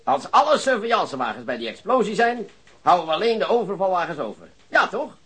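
A cocksure police chief in a radio play. His high, bright voice swoops up and down as he exuberantly repeats himself, delighted with his own plans. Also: very animated, fast, slightly rough, full character voice. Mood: gleeful. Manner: exuberant, repeats words for emphasis. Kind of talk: Dutch radio drama acting.

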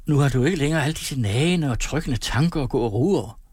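A man's voice: medium pitch, expressive, darkish tone, husky, no echo, studio quality, pitched above the performer's own voice. A man reading the part of a devoted mother who comforts her grown son. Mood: soothing. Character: devoted middle-aged mother, soothing then shaken.

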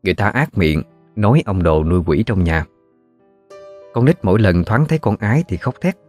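A man with a Southern Vietnamese accent narrating a ghost story in a folksy, unhurried way. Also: lowish voice, lively intonation, darkish tone, soft background music.

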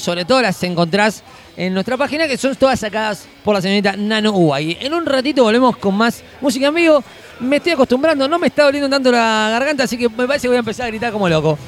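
An Argentine man hosts a live show from a music venue, with a high, bright-pitched voice. He chats loosely and enthusiastically and tosses in slang. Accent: Argentine Spanish. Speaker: radio show host. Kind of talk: casual live broadcast chat.

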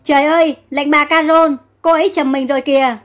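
A woman voicing a loyal palace servant who shouts in alarm. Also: sits high, a little fast, soft background music, natural voice.

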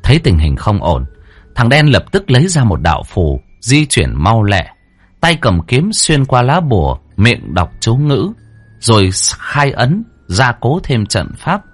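Husky dramatic male horror storyteller. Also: medium pitch, very animated, a little slow, faint music behind.

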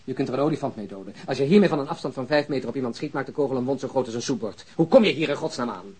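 Police detective, earnest, probing, emphatic delivery, slightly husky, crime audio drama. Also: male voice, medium pitch, expressive, rapid-fire, a little mellow. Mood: grim, disgusted. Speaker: actor in a radio drama.

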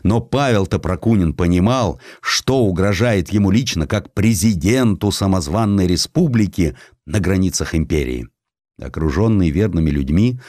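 A man with a very low voice narrates a historical audiobook in a dramatic, deliberate manner. His delivery is highly animated, with pitch that moves widely. The recording is dry and close, with no room sound. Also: no echo.

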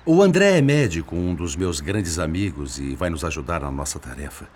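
Um ator interpretando um espírito mais velho, experiente e cordial, com fala ponderada de radionovela. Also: male voice, sits low, big pitch swings, normal speed, a little hiss or hum. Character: friendly older male spirit, experienced helper. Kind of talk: radio drama acting.

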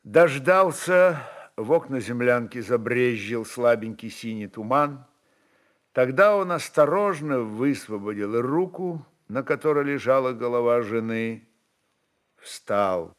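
A man with a medium-pitched voice narrates literary prose dramatically, speaking expressively and in a measured way with deliberate pauses.

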